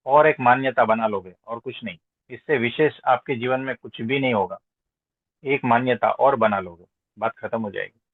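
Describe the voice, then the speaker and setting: A man's voice: medium pitch, moderate pace. A man speaking as a spiritual teacher in an informal question-and-answer discourse, didactic, with emphatic repetition and rhetorical questions. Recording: roomy echo, thin phone-like sound.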